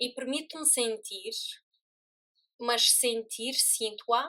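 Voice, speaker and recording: A woman's fairly high voice, bright and sharp in tone. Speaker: hypnotherapist. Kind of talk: spiritual self-help talk. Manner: halting.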